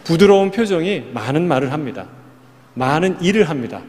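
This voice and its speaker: A very animated male preacher delivers a Sunday sermon in a church sanctuary, talking fairly quickly in a high-leaning, darkish voice. He addresses the congregation conversationally with rhetorical questions, and the recording reverberates in the church hall.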